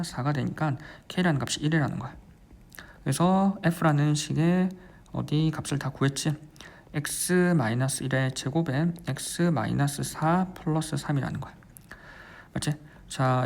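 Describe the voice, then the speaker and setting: A man's voice: fairly high pitch, gravelly. Guy tutor walking thru a math problem, repeats stuff, keeps going "right?" every step. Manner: keeps asking quick check questions like "right?" and "how much?"; repeats phrases while writing. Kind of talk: exam solution walkthrough lecture.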